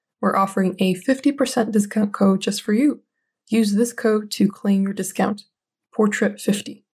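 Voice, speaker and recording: A woman's somewhat breathy, medium-pitched voice at a fairly slow pace, with fairly even intonation, on a very clean recording with a silent background. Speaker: podcast host. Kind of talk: interview with scripted ad reads.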